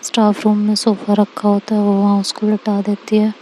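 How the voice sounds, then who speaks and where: Mellow woman telling a story. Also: mid-range voice, monotone, moderate pace, slight background noise. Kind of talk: casual spoken storytelling.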